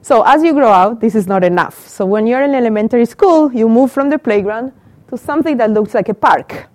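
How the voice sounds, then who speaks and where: In a small room before a small live audience, a middle-aged Argentine professor with an Argentine Spanish accent asks questions into a handheld mic and repeats what people answer. Her voice sits on the high side and is brisk. The recording is dry.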